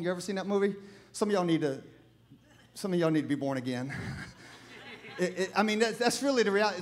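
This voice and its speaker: A middle-aged male pastor, preaching a sermon full of humorous, animated stories and bursts of shouting. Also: high-pitched. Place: church.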